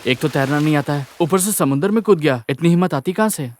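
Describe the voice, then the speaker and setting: A man's voice: fairly high pitch, animated, fast, soft background music, close to an everyday voice. An actor dubbing a young man who lectures his friend about love. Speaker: friend in a dubbed film. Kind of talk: Hindi film dubbing.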